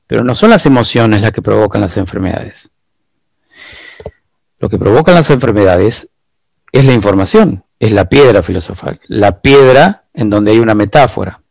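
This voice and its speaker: A man, a guest expert giving long, measured explanations in an interview, full of rhetorical asides. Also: on the low side, lively intonation, vocal fry, a little mellow, no echo. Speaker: guest expert on biological decoding.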